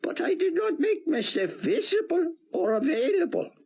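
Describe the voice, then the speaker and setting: A man voicing a warm, gentle rabbi with a thick Hebrew accent, speaking slowly and courteously. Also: very high-pitched, very animated, creaky, pitched above the performer's own voice, full character voice.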